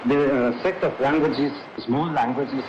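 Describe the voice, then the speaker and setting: A man's voice: mid-range voice, fairly even intonation, a little slow. Italian-accented man on muffled, noisy shortwave. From northern Italy. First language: Furlan. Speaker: documentary filmmaker, interview guest. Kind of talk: conversational interview.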